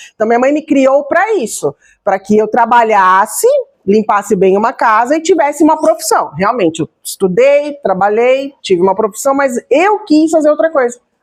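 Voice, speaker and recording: With an animated tone, a woman talks at a moderate pace. Her pitch is high and swings very widely. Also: very even loudness. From interior of São Paulo state, Brazil. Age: 40s. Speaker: motivational speaker. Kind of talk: talk to a live audience.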